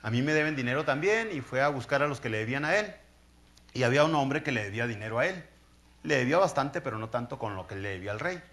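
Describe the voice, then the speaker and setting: A man's voice: mid-range voice, animated, fast talker, a bit bright. Guy preaching, chatty storytelling, keeps asking the congregation "right?". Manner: conversational storytelling, checks in with listeners often. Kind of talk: sermon.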